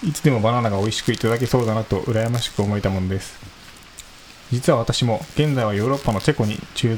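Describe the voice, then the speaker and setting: A man's voice: medium pitch, a little mellow, poor audio. A man co-hosting a podcast, politely reading a listener letter and chatting modestly, laughing easily. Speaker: podcast co-host. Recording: faint hiss.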